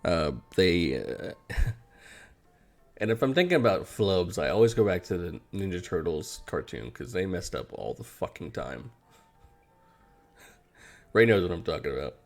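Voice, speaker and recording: A man's voice: low-pitched, lively intonation, a little slow, pauses often, soft background music. A man chatting casually about cartoons and games, with casual swearing. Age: adult. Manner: casual, profane. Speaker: podcast host.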